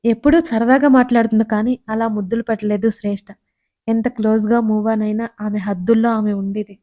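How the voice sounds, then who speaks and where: A woman narrating a romantic story in a calm, even-paced storytelling manner. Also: on the high side, a little fast.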